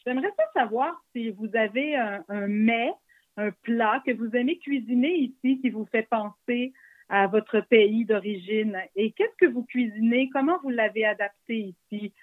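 A woman interviewer who asks slow, gentle, encouraging questions. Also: on the high side, dry recording. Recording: dry phone-line audio.

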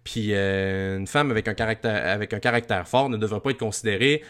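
A man with a Quebec French accent in a casual sports discussion, speaking haltingly and repeating words as he searches for his phrasing. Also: on the low side, fairly even intonation, fairly bright tone. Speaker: sports talk show commentator.

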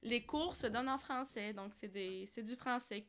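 A woman's voice: on the high side, moderate pace, fairly bright tone. A woman from Algeria chatting casually as a podcast guest, telling personal stories. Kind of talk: casual conversational storytelling.

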